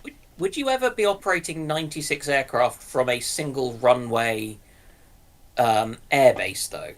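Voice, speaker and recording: A man's voice: medium pitch, lively intonation, normal speed. A man chatting casually as a co-panelist in a discussion, putting in questions and points.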